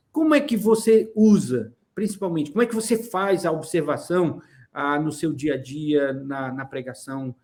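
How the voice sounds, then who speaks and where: Fairly high-voiced hesitant male interviewer. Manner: hesitant, many fillers, long winding questions. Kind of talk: conversational interview questions.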